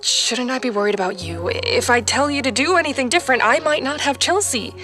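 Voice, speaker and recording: A woman's voice: high-pitched, expressive, fairly quick, bright, forceful tone. Weary single mother, music underneath. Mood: wary. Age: 30s. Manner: resigned, hesitant, defensive. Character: weary, defeated single mother in her thirties. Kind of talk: audio drama acting.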